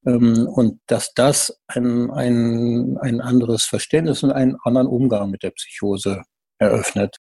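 An older male professor answers an interview, measured and a little hesitant. His voice is mellow and slightly husky, recorded dry and close. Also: medium pitch, fairly even intonation, dry recording. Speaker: psychiatry professor.

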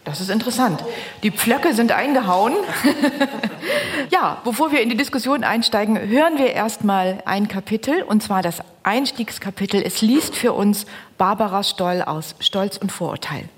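A woman host keeps a literary panel moving briskly, introducing the next segment. Her voice is husky and sits at a middle pitch. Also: lively intonation. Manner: brisk, moderating. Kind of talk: radio panel moderation.

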